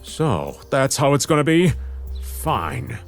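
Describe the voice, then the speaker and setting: An actor playing a beleaguered, fed-up announcer in a comic audio drama, with theatrical, emphatic delivery. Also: male voice, medium pitch, huge pitch swings, slow, vocal fry, faint music behind, exaggerated voice. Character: exasperated, beleaguered male announcer, melodramatic and fed up.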